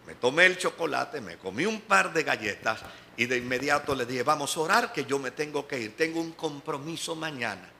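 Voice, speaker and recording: A man's voice: a little high, vocal fry, bright, forceful tone, slight background noise. A man with a Dominican Spanish accent, a pastor giving a sermon as a personal testimony, telling his story and acting out the voices of the people in it. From Dominican Republic. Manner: storytelling, acting out quoted dialogue. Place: church service.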